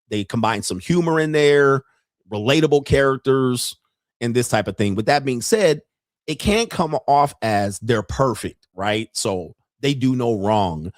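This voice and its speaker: A man's voice: lowish voice, dry recording, studio quality. A man hosting a casual commentary livestream, joking and rambling in slangy talk. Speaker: podcast host.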